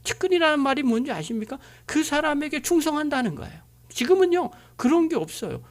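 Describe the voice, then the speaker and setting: A woman's voice: sits high, expressive, brisk. A woman pastor delivering a sermon, driving her points home with frequent rhetorical questions.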